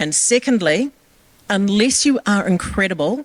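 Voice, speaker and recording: A woman with a New Zealand accent and lively intonation, in a dry, close sound with no echo. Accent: New Zealand (Kiwi). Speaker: voice actor. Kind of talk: panel remarks at a conference talk.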